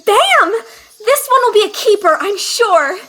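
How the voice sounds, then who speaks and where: A woman voicing a bubbly, excitable teenage girl in an audio drama, gushing and playful. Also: very high-pitched, measured pace, exaggerated voice. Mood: bubbly excitement. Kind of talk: fan audio drama acting.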